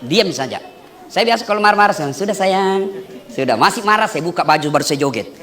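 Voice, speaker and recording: A male preacher giving a lively, joking wedding sermon to an audience, often asking questions and then answering them himself. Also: high voice, quick pace, a little hiss or hum. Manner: animated, joking, asks and answers own questions.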